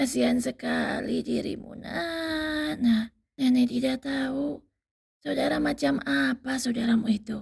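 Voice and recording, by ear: Putting on a raspy character voice, a woman speaks at a fairly high pitch and a fairly slow pace.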